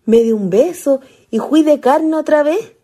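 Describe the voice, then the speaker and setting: A woman's voice: high voice, animated, unhurried, warm tone. A woman playing a lovestruck young ghost, a naive country girl with a Chilean accent and earnest colloquial speech, in a radio play. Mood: lovestruck, hopeful. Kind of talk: radio theatre acting.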